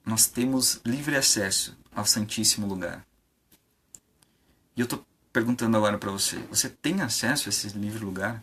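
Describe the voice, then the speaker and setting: Gravelly man preaching casually. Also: fairly low pitch, normal speed, pushed and bright. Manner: conversational, many fillers and rhetorical questions. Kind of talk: informal sermon on a live stream.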